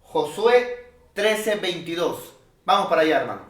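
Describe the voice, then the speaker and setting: A man preaching a sermon as pastor, emphatic, swinging from loud calls to quiet asides. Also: sits high, expressive, a little slow, reverberant. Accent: Peruvian Spanish.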